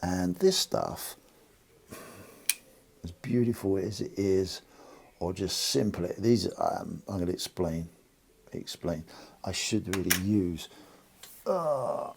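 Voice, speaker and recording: A man's voice: deep voice, sing-song, slow pace, creaky, long pauses, background noise. A British man hosting a precious metals channel, chatting casually and rambling with lots of restarts. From United Kingdom. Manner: rambling, restarts and fillers, informal. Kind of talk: casual chat to camera.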